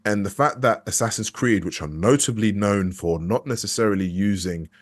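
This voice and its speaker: A man's voice: fairly low pitch, normal speed. A young adult man, an actor interviewed as a guest, talking casually and candidly, often restarting his sentences as he thinks aloud. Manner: candid and reflective, with frequent restarts and hesitations.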